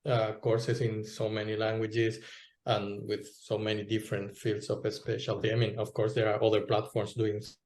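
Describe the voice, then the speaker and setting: A man's voice: lowish voice, monotone, moderate pace, a little mellow. Man, hesitant, in an echoey room. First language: Spanish. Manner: hesitant, many restarts and fillers. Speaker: guest, localization entrepreneur. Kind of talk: casual interview conversation.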